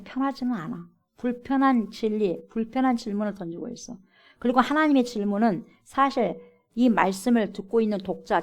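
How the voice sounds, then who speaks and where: A woman's voice: mid-range voice, a little mellow. A woman pastor preaching an emphatic sermon and keeping the congregation engaged with direct questions. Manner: emphatic, repeatedly addresses the congregation as 여러분. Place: church sanctuary.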